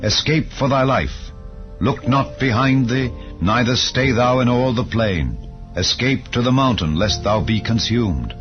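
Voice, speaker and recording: A man's voice: medium pitch, expressive, measured pace, voice pushed up, close to an everyday voice. A man voicing a stern yet merciful heavenly being in a scripture audiobook, solemn, authoritative and declamatory. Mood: urgent command. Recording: dull lo-fi audio over music.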